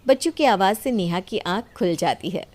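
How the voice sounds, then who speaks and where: A woman's voice: medium pitch, animated, normal speed, a little mellow. A woman reading a scripted story as the storyteller.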